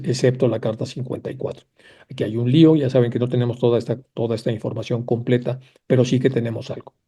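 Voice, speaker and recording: A man with a very dark, mellow voice gives a lecture, reading old passages aloud and then stepping aside to explain them in plain, conversational asides. He speaks straight to his listeners, with the odd filler as he thinks. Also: mid-range voice. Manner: addresses listeners directly, with fillers. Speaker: lecturer on theosophy.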